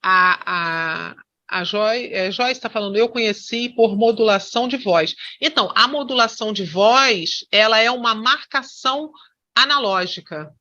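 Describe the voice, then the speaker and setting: A woman's voice: fairly high pitch, a little slow, bright, forceful tone, dull audio. A woman teaching hypnosis in an online lesson, explaining with many fillers and restarts.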